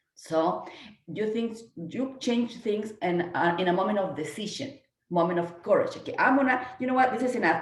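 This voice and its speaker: Someone with a Spanish accent speaks at a moderate pace with lively intonation, and room echo is audible. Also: woman. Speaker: real estate agent. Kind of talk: motivational talk. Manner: halting, with fillers and restarts.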